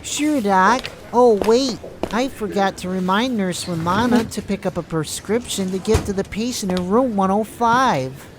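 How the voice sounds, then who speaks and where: A woman's voice: mid-range voice, unhurried, few pauses, natural voice. A woman playing a breezy, chatty hospital staffer with a secret in an amateur audio drama. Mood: friendly. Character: breezy hospital colleague with a secret drug habit. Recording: noisy home recording.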